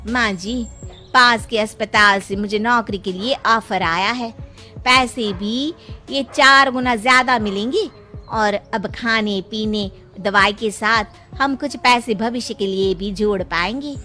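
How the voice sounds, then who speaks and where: A determined village daughter-in-law in a cartoon speaks earnestly and respectfully. Her tone is bright and slightly high. Soft music plays under her. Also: takes it slowly. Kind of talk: cartoon voice acting.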